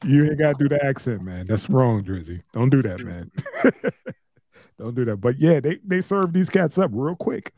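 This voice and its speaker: A man co-hosting a casual podcast chat, loose, profane and quick to laugh. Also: mid-range voice, animated, warm tone, no room sound. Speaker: podcast co-host.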